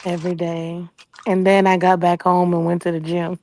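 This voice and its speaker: A woman's voice: on the low side, little pitch movement, normal speed, a little mellow. A woman chatting casually on an online panel, blunt and laid-back, keeping it real. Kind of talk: casual group chat. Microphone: online call audio.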